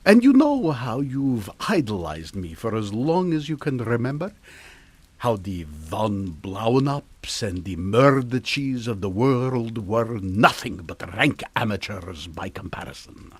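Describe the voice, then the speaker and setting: An actor playing a boastful, theatrical mad scientist in a comic radio drama, with grandiose, drawn-out dramatic delivery. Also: male voice, fairly low pitch, sing-song, husky, dry recording, heavily acted. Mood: smug. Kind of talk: melodramatic radio comedy acting.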